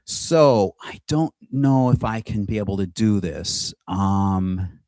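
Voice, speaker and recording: Middle-aged man, unhurried and hesitant, casual solo video talk, close and dry sound. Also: on the low side, expressive, warm tone, no room sound. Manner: halting, with many restarts and pauses. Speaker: aspiring singer and video host. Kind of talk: casual monologue to camera. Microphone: computer mic with screen sharing.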